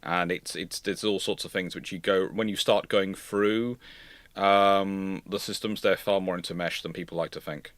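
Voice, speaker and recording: A man with a fairly low voice speaks in a dry, unechoing space. He hosts a casual analytical discussion and circles back to rephrase his points in a discursive way. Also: fairly even intonation, normal speed, a bit bright, dry recording. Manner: discursive, repeats and rephrases phrases. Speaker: host of naval history livestream.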